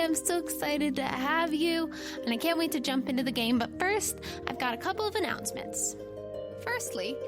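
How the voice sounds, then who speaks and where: High-voiced woman game master over music. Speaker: game master and show host. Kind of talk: announcements and storytelling narration for a tabletop game podcast. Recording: music behind the voice.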